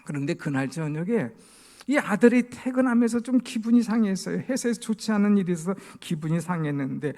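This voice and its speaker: 거친 결의 목소리로 이야기하듯 설교하는 남자 목사, 조용한 속삭임과 힘찬 권면을 오간다. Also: male voice, sits high, animated, fairly quick. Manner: storytelling, swinging from hushed asides to raised exhortation. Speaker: senior pastor. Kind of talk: sermon.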